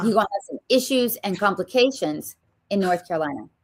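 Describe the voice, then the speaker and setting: Using a strong Southern US accent, a woman talks with lively intonation at medium pitch, in a dry, close sound with no echo. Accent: strong Southern drawl. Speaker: podcast host.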